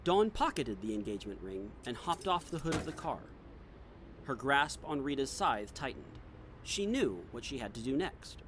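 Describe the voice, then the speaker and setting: A man's voice: mid-range voice, big pitch swings, normal speed, a bit bright. A man reading scripted dramatic narration as the narrator of a story. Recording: clear background noise, clicks.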